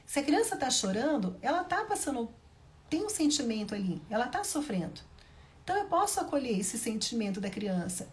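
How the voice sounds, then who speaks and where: A woman's voice: fairly high pitch, very animated, fairly quick. A woman with a Brazilian Portuguese accent, a mother giving parenting advice straight to her viewers, emphatic and repeating her key points. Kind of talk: direct-to-camera parenting advice talk.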